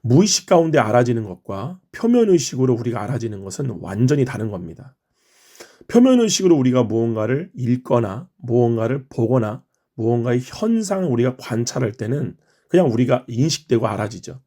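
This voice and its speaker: A middle-aged male pastor from Chungcheong leads a morning devotional. He prays and then explains his teaching in an earnest, careful way. His voice is mellow and relaxed, set at an ordinary male pitch. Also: brisk. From Chungcheong, Korea. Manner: earnest, explanatory preaching with prayerful phrasing. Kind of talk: morning devotional prayer and sermon.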